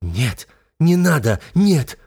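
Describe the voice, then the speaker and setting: A man's voice: a little high, big pitch swings, slow, creaky, darkish tone, husky, pitched above the performer's own voice, full character voice. A man reading an audiobook, voicing a frightened young captive woman who pleads tearfully. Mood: panicked.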